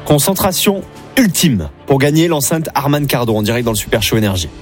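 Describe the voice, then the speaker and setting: A man's voice: mid-range voice, expressive, fairly quick, faint music behind. A man hosting an evening radio show, upbeat and chummy with callers. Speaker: radio host.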